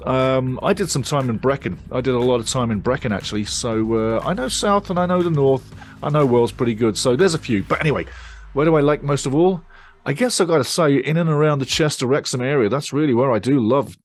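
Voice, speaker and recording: A man's voice: mid-range voice, no echo. A man hosting a football fan show in casual, upbeat chat, with punchy exclamations and lots of repeating himself. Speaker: fan channel host. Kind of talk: casual pre-match football show talk.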